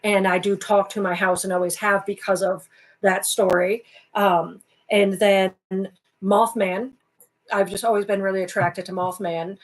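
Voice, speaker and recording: A woman co-hosting a casual livestream, talking in a calm, rambling way as she explains things. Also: mid-range voice, a little slow, low-quality recording. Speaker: livestream co-host.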